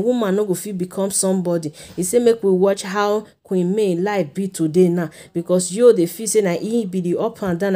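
A woman's voice: medium pitch, warm tone. A woman with a Nigerian accent hosting a gossip channel, talking chattily to her viewers in Pidgin and calling them "my people" again and again. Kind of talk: casual gossip commentary. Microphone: voice-over.

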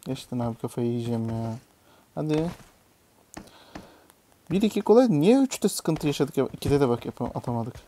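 Young guy mumbling over his game, mellow voice, cusses when he misses a jump, faint hiss behind. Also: medium pitch, lively intonation, a little fast. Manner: muttering, swears and yelps at failed jumps. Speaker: gaming YouTuber. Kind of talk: casual gameplay commentary.

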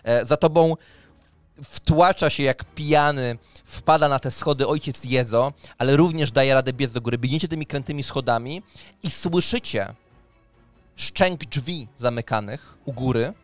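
A man's voice: medium pitch, a little slow, no room sound. Man narrating a game, music behind. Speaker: game master. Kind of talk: narrating a tabletop role-playing game. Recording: music under the voice. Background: background music.

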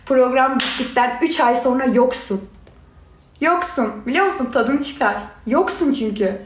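A young woman with a high voice rants heatedly into a phone livestream, sarcastic and scolding as she talks straight to her viewers. Her voice echoes around a bare room. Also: a little slow. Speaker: reality show contestant answering critics. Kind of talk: angry livestream rant.

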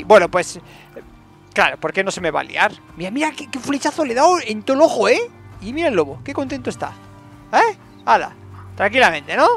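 A man commentating his survival game playthrough, excitable, shouting when fights turn chaotic. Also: sits high. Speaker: gaming YouTuber. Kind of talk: let's play commentary.

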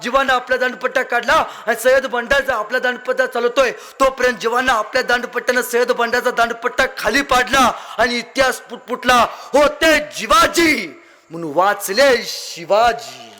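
A man's voice: very high voice, level tone, fairly quick, hardly any pauses, sharp tone. A young man telling a dramatic story as a public speaker, declaiming and repeating phrases for emphasis. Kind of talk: fiery storytelling speech.

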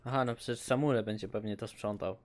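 A man's voice: fairly low pitch, fast, a little mellow. Joking, swearing gaming streamer man. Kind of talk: casual let's-play commentary.

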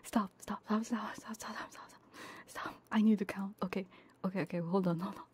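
A woman livestreamer chatting casually with viewers in a giggly, bantering way, often slipping into soft ASMR whispers. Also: mid-range voice, fairly even intonation, fairly quick, a little hiss or hum.

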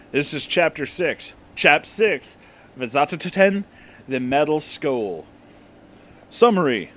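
A man's voice: a little high, a bit bright. A man hosting a comic reading of fan fiction, exaggerating misspelled words and dropping in mocking, profane asides.

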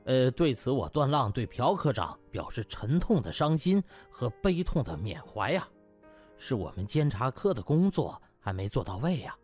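A man voicing a cunning young hospital inspector in an audiobook, hesitant, mock-solemn and flattering. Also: mid-range voice, normal speed, soft background music. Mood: mock-humble. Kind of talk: audiobook character acting.

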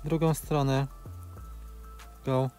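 A man in his forties talks through each step of a drone flight in a calm, practical way, his voice sitting at a middling pitch. He pauses between phrases with filler sounds. Faint music plays under him. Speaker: drone video creator. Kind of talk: hands-on tutorial commentary. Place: outdoors in open grassland.

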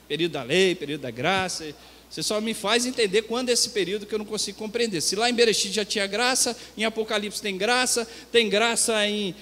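Male preacher, very high pitch, chatty but emphatic sermon, reverberant church hall. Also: fairly bright tone. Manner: conversational preaching, rising to emphatic. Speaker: pastor.

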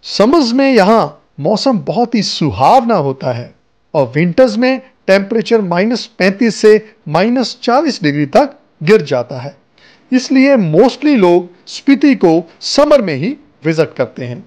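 Lively-voiced male travel narrator. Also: sits high, unhurried. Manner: addresses viewers as friends, guide-like. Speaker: travel vlogger. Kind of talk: scripted travel voice-over. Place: voice-over, not recorded on location. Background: faint background music.

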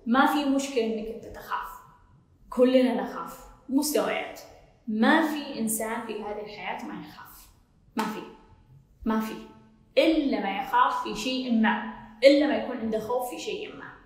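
A woman's voice: fairly high pitch, fairly quick, long pauses. A woman with a Gulf Arabic accent, a self-development coach answering questions in casual Q&A talk, speaking emphatically and reassuringly and often repeating her points. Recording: very echoey long reverb.

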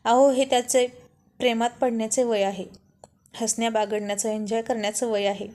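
A woman voicing an earnest young woman gently persuading her parents in a told story. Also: on the high side, fairly even intonation, normal speed, lightly acted.

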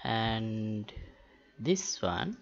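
A man talking through a software tutorial unscripted, thinking aloud in a halting way with pauses mid-sentence. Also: fairly low pitch, expressive. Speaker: tutorial host. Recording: dull, muffled lo-fi voice-over. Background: keyboard typing and mouse clicks.

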